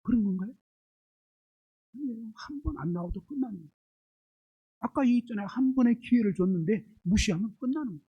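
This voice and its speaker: A man's voice: very high voice, lively intonation, quick pace, pauses often, slightly rough, highs cut off. A man preaching a sermon, firing rhetorical questions at the congregation and illustrating his points with homely everyday examples. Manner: asks the congregation constant rhetorical questions, emphatic.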